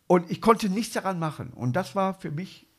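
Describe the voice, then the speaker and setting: Guy hosting a comedy podcast on stage, fairly high voice, rambles and chuckles a lot. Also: lively intonation, normal speed. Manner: rambling anecdotes, chuckles often. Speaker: podcast host. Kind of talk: casual comedy chat.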